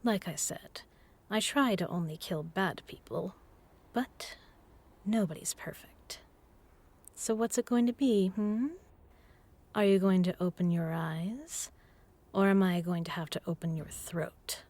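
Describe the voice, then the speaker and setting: A woman's voice: on the low side, a little slow, long pauses, a little mellow. A woman playing a seductive, menacing vampire in an intimate audio roleplay, teasing and purring, often dropping to a whisper. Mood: coaxing, threatening. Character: seductive, menacing female vampire predator toying with prey. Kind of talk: intimate hypnotic audio roleplay, slow and breathy.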